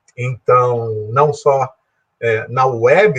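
A man speaks with a somewhat breathy voice. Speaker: spiritist lecturer. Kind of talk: religious lecture.

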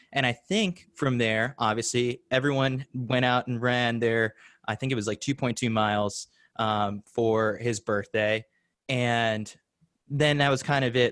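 The sound is dry and close, with no echo. A man with a normal speaking voice talks at a medium pitch and moderate pace, with fairly even intonation. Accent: American. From New York City. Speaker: sports journalist. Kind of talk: interview. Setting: at home, remote.

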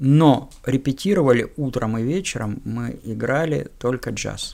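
A plain, everyday voice speaks with ordinary pitch variation. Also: man. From Shakhty, Rostov region, southern Russia. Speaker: film director, former circus clown and actor. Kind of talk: interview.

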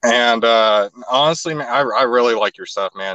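Recorded dry and close with no echo, a man uses a normal speaking voice at medium pitch with fairly even intonation. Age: 20s. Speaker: caller. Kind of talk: casual chat. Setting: call from a car.

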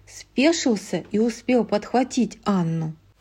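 Very wide pitch swings run through a woman's somewhat breathy, dark, mellow voice at a very slow pace. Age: old. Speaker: storyteller. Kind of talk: reading aloud.

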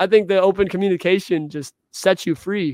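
This man's voice sits high for a man, with ordinary pitch variation. The sound is dry and close, with no echo. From US Midwest, Kansas City. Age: 20s. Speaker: podcast host and clothing brand owner. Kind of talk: casual chat. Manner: animated.

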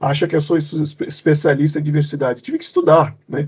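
This man's voice is dark, mellow and somewhat breathy, with a fairly high pitch. He talks at a moderate pace. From Cape Verde. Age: 40s. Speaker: business executive. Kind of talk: interview.

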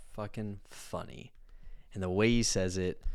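Here is a man with a General American accent and an ordinary speaking voice. He talks fairly slowly at a fairly low pitch, with ordinary pitch variation. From US. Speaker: film podcast co-host. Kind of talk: casual chat.

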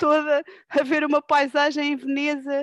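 The sound is dry and close, with no echo. A woman speaks at a high pitch. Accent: European Portuguese. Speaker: podcast host. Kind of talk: casual chat.

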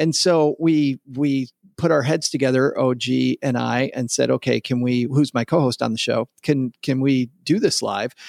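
A man speaks at a moderate pace and a medium pitch, with hardly any pauses. The sound is dry and close, with no echo. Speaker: podcast host guest. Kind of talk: casual interview chat. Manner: humorous, animated.

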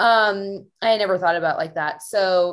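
A plain, everyday voice from a woman with an American accent, medium in pitch, with fairly even intonation, in a very clean recording with a silent background. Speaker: fitness trainer and podcaster. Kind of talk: casual chat.

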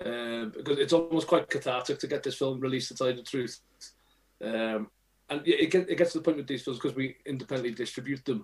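A man talks at a very fast pace with a Liverpool accent. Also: medium pitch for a man, ordinary pitch variation. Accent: Liverpool (Scouse). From Liverpool, England. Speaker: documentary filmmaker. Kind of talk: casual panel discussion.

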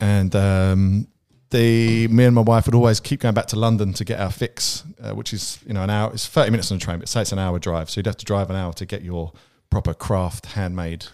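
Recorded very cleanly against a silent background, a man with a British accent talks at a fairly low pitch with ordinary pitch variation. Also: fairly quick pace. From Essex, England. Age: 40s. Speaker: restaurant owner, former police officer. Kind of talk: casual interview chat.

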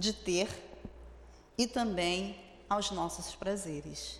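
Amid audible room echo, a woman talks at a very slow pace with vocal fry. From Piauí backlands, northeastern Brazil. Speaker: spiritist lecturer. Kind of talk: sermon.

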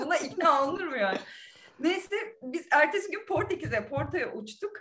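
A woman with an extremely high pitch speaks at a moderate pace with lively intonation. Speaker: theatre actor. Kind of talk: casual chat.

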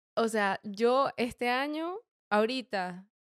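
A woman with a high voice and very wide swings in pitch, recorded very cleanly against a silent background with a dry, close sound and no echo. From Panama, Venezuelan family. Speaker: podcast co-host. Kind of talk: casual chat.

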